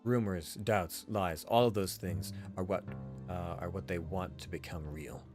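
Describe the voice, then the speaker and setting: A man playing a composed, serious detective in a visual novel, speaking in a measured, deliberate way. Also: deep voice. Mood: grave, reassuring. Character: composed, serious male detective, reassuring but guarded. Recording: music behind the voice.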